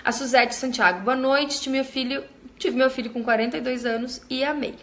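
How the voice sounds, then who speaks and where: A woman's voice: high voice, brisk, a bit bright. A Brazilian woman in her thirties, hosting a casual live stream, reading viewer comments aloud and answering them in a chatty way. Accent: Brazilian Portuguese.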